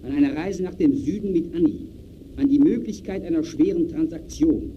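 An actor playing an impersonal case reporter who declaims terse log entries in the style of a 1920s radio play. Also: male voice, fairly high pitch, normal speed, lo-fi sound, lightly acted. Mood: detached. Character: impersonal male case reporter logging a man's day. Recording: noisy early radio recording.

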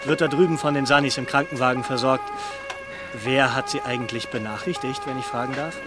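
An actor playing a brusque, suspicious police officer with a commanding, questioning manner in a radio crime drama. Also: male voice, medium pitch, brisk, over loud music, lightly acted.

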